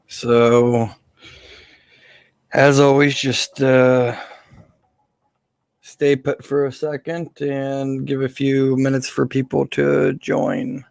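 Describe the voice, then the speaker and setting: A man with a slightly hoarse voice hosting a casual live question-and-answer stream, speaking informally and haltingly off the cuff. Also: medium pitch, a little mellow, dry recording.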